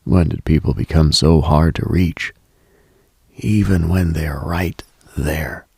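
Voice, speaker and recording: In a hushed, contemplative late-night radio monologue, a man with a bass voice speaks intimately, leaving long pauses. His delivery has a husky, breathy edge. There's no room sound at all.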